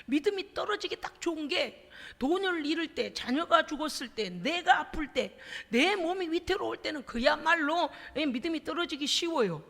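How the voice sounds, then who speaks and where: A woman's voice: sits high, expressive, normal speed, a bit bright. A woman pastor preaching a sermon, acting out the quoted voices and laughing often. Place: church sanctuary. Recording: long church reverb.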